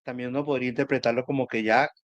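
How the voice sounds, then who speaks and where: A man with a Venezuelan Caribbean Spanish accent discussing politics conversationally as an analyst, emphatic and halting, repeating phrases for emphasis. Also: medium pitch, steady tone, no room sound, muffled recording.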